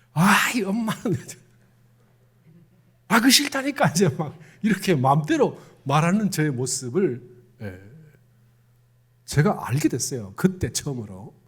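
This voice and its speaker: A man's voice: fairly high pitch, darkish tone, breathy edge. A middle-aged man with a Gyeongsang accent, a minister giving a conversational sermon and putting questions to the congregation. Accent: Gyeongsang Korean. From Gyeongsang province, Korea. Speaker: Won Buddhist minister.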